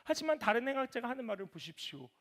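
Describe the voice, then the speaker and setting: A man in his thirties preaching a sermon in church, telling lively family stories and acting out voices. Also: very high voice, very fast. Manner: animated storytelling, voices his toddler and himself. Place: church sanctuary.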